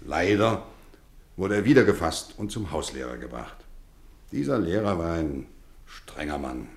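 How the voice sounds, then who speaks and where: An actor playing a kindly, playfully stern middle-aged housemaster in a German radio play, measured and theatrical. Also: male voice, low-pitched, big pitch swings, reverberant, heavily acted. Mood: wistful, reflective. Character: kindly, playfully stern boarding school housemaster, grown man.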